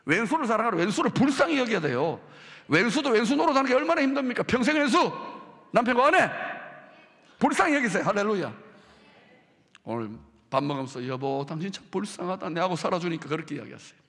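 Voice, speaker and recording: A male pastor with a Gyeongsang accent preaching a sermon, swinging from hushed lines to loud ones. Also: high-pitched, very animated, quick pace, pauses often, big-room sound. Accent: Gyeongsang Korean. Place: church sanctuary.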